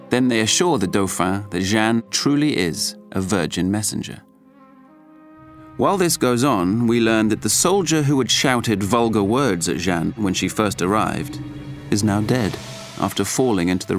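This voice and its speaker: A reflective storyteller of a medieval French court. His lowish voice gives measured, descriptive narration for an audio drama, with a wry edge and clear music underneath.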